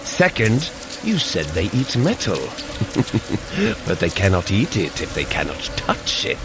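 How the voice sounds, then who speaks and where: A man's voice: deep voice, huge pitch swings, unhurried, very noisy, full character voice. A man playing a bold, earnest thunder god warrior in an audio drama, with a hearty, grandiose, declamatory manner. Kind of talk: audio drama acting for a fitness adventure.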